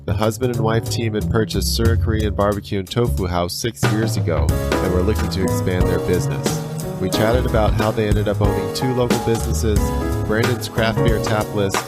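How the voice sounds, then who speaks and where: A man hosting a food and drink podcast, reading his intro and asking guests questions in a steady delivery. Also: fairly low pitch, a little fast, loud music behind the voice. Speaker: podcast host. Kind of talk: scripted intro then interview questions.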